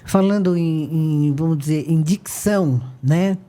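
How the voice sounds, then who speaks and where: A woman's voice: deep voice, unhurried, dark tone. An older woman hosting an interview, asking long, winding, curious questions. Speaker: host. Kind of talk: casual interview chat.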